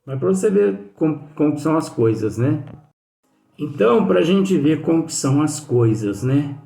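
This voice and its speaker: Warm and slightly high, with vocal fry and big pitch swings, this man speaks at a normal speed. He gives a conversational spiritist study lesson full of anecdotes, leaning on tag questions aimed at his listeners. Faint music sounds in the echoey room.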